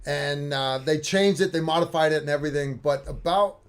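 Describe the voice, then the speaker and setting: A man hosting a casual livestream, talking in a relaxed, unhurried way with frequent fillers. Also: a little high. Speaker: livestream host.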